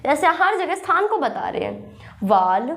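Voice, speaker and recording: Woman, young, high-pitched, slightly sore throat, repetitive classroom explaining. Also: big pitch swings, creaky, fairly bright tone. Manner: repetitive, checks understanding with "thik hai"; reads English example sentences slowly. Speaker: English grammar teacher. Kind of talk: classroom lesson, explaining with examples.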